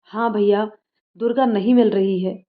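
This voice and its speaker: A woman voicing an anxious young village girl, hurried and urgent, on slightly dull audio. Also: mid-range voice, steady tone, natural voice.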